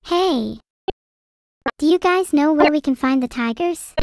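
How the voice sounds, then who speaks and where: A synthetic female AI voice that greets people as if it were one of the humans around it, asking questions in a blunt, deadpan way. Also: sits high, a little slow, background noise. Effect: synthetic text-to-speech voice. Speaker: AI streaming companion.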